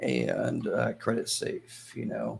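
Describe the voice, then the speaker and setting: A man mumbles with an American accent. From Ohio, US Midwest. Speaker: business credit coach and channel host. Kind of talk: live stream Q&A chat. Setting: live video stream. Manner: mumbled, halting.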